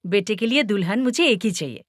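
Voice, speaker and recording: A woman's voice: medium pitch, animated, dry recording, clean studio sound, lightly acted. An actress dubbing a stern middle-aged queen mother choosing her son's bride. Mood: commanding. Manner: commanding, deliberate. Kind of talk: dubbed film acting.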